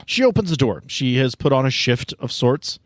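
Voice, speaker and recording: A man in a middle voice narrates a tabletop game for his friends. He keeps it loose and relaxed, wandering into asides, recorded close and dry. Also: mid-range voice, normal speed, dry recording. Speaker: game master.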